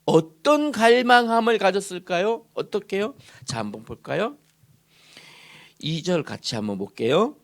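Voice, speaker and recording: A male pastor preaching a sermon in a church, posing questions to the congregation and answering them himself, moving from loud emphasis to soft murmurs. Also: high voice, big pitch swings, a little slow. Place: church sanctuary.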